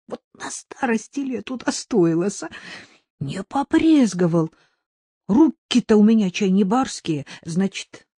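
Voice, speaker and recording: A woman's voice: lowish voice, warm tone, breathy edge, no echo, full character voice. A woman voicing a kindly, plain-spoken older village woman who gives homely advice in an audiobook.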